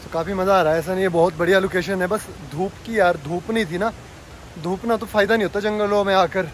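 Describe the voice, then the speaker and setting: Brief: high-pitched, chatty travel vlogger man from Delhi, shot on a handheld camera with loud outdoor noise behind. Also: fast talker. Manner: chatty, excitable, talks to camera and strangers. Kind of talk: casual travel vlog. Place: outdoors in a rainy forest area.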